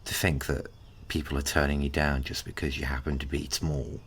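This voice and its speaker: Very deep, gentle, bashful male friend, acted by a man. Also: level tone, normal speed, husky, heavily acted. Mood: sympathetic. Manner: gentle, hesitant, bashfully rambling. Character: kindly, awkward, flirtatious tiny-sized male friend, caring and teasing. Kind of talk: ASMR roleplay, intimate conversational acting.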